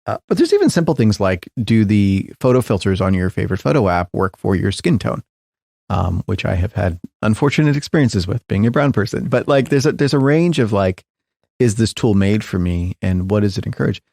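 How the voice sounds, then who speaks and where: Low gravelly man, thoughtful and hedging. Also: animated, fairly quick, darkish tone, dry recording, studio quality. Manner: thoughtful, hedging, frequent restarts and fillers. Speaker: podcast guest, tech founder. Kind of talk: reflective interview conversation.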